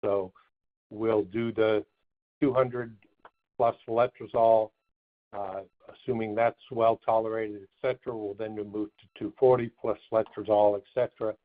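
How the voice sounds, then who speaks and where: Halting, lowish male medical officer over phone. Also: little pitch movement. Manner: halting, measured, technical. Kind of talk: unscripted technical answer on a conference call. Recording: muffled narrow phone line.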